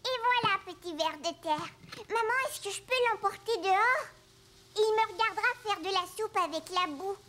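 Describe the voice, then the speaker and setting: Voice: very high voice, moderate pace, sharp tone. An actor voicing a curious, cheerful four-year-old boy in a French-language children's cartoon. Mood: eager.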